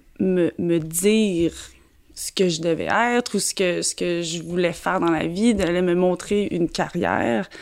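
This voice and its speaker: A woman speaks very slowly with a Quebec accent, at a medium pitch with ordinary pitch variation. The recording is very clean, with a silent background. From Quebec, Laurentides (rural). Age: 30s. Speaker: photographer. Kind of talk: interview conversation.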